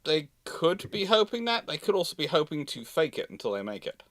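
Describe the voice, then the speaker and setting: A British man hosting a live question-and-answer talk, explaining things with halting restarts and emphatic repetition. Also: fairly high pitch, sing-song, a bit bright, dry recording. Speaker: host answering audience questions. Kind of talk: live Q&A, explanatory commentary on naval matters.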